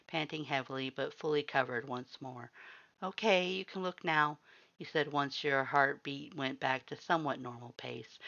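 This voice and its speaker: Story reader for second-person fiction, mid-pitched voice, dry lo-fi home recording. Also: gravelly, pushed and bright, dry recording. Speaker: fan fiction reader, narrator.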